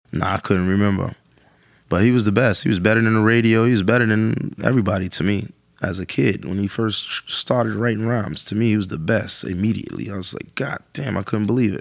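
This man has a New York accent and a fairly low pitch with ordinary pitch variation. He talks at a very fast pace. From New York, Queensbridge. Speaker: musician, rapper's brother. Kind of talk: casual chat.

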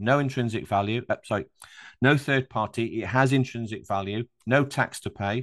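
In an English accent, a man speaks with medium pitch and fairly even intonation. The background is quiet. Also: moderate pace. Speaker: sovereignty and law educator. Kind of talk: casual interview conversation.

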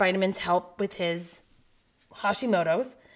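A woman with an American accent speaks at a fairly slow pace and a medium pitch. The recording is very clean, with a silent background. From western New York, US. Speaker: podcast co-host, former teacher. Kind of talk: casual chat. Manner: animated.

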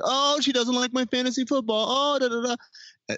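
In a put-on character voice, a man sounds whiny and extremely high, keeping a moderate pace, very even loudness and fairly even intonation. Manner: whining, complaining.

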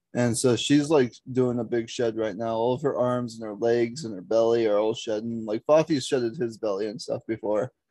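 With an American accent, a man speaks at a medium pitch and moderate pace in a dark, mellow tone, his fairly even intonation and hardly any pauses captured in a dry, close sound with no echo. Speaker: podcast co-host. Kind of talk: casual banter, profane. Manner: joking, rambling.

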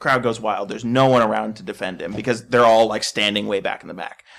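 Fairly low-pitched male speech with fairly even intonation, on a very clean recording with a silent background. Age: 20s. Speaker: podcast guest, hosts his own podcast. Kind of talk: casual chat. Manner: halting.

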